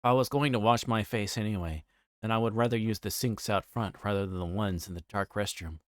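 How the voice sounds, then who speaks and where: Male game streamer, lower-pitched voice, alternates read-aloud narration with loose, halting casual chat. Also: no room sound, clean studio sound. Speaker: livestreamer. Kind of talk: reading a visual novel aloud with casual chat to viewers.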